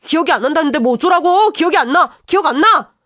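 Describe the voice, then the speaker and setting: A woman's voice: fairly high pitch, expressive, normal speed, no room sound, studio quality, close to an everyday voice. Woman reading a rude, snapping brother-in-law. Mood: defensive shouting. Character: rude hot-tempered younger brother-in-law, evasive.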